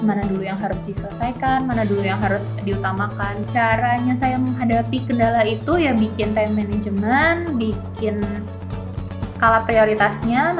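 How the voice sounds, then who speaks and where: A woman in her twenties, a working mother, talking in an upbeat, conversational way in an interview testimonial. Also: medium pitch. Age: 20s. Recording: music clearly under the voice.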